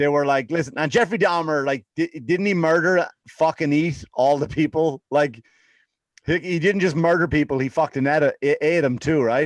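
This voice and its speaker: With an Irish accent, a man speaks fairly high at a moderate pace, with ordinary pitch variation and very even loudness, the sound dry and close with no echo. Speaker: comedian. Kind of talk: casual chat.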